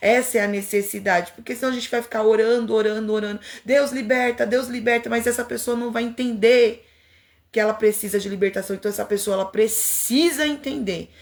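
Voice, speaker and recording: This woman has an ordinary speaking voice, pitched fairly high, with fairly even intonation. She talks at a fairly quick pace. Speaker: pastor. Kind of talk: sermon. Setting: live stream.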